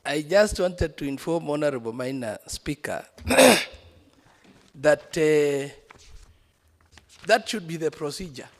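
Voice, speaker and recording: Kenyan male legislator with a slightly high voice, formal debate delivery, reverberant assembly hall. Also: animated, slow pace, pauses often. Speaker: county assembly member. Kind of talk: parliamentary debate. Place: large assembly chamber. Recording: echoey hall with long reverb.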